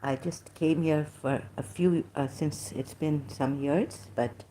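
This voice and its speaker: Pakistani woman vlogger, low and warm, rambling, faint noise behind. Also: steady tone. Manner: rambling, halting, many fillers and restarts. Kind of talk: casual monologue, reading aloud at times.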